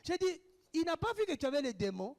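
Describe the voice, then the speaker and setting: Fervent male preacher, very high voice, mixes shouts with quiet asides. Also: sing-song, fast. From Africa. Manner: impassioned, swings between shouted declarations and hushed asides. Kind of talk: sermon answering questions.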